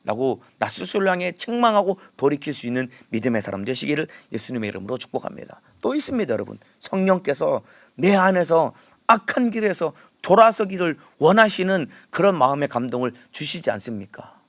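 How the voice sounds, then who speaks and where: A man's voice: fairly high pitch, big pitch swings, fairly quick, a bit bright, no room sound. A male pastor with a Gyeongsang accent giving an emphatic early morning sermon and leading the congregation in repeating phrases. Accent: Gyeongsang Korean. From Gyeongsang region.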